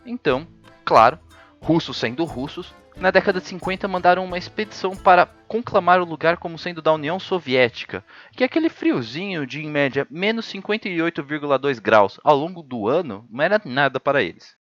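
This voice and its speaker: Man, history host, scripted narration, ironic asides, animated pitch, faint background music. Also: fairly quick, highs cut off.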